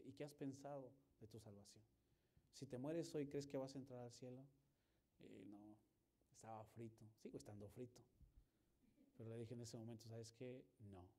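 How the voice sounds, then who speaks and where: A male pastor preaching a sermon, swinging from loud emphasis to hushed storytelling and acting out the dialogue he quotes. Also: on the high side. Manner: acts out quoted dialogue in his telling.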